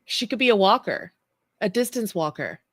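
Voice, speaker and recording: A woman's voice: medium pitch, sing-song, moderate pace, fairly bright tone, no room sound. A woman chatting casually and responding to her partner as co-host of a livestream. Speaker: co-host of a book read-along livestream. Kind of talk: casual chat, reacting to co-host.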